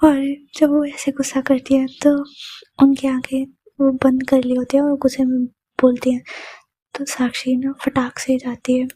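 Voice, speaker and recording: Female storyteller: high, breathy, soft-spoken narration. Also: flat delivery, normal speed, dry recording, low-quality recording.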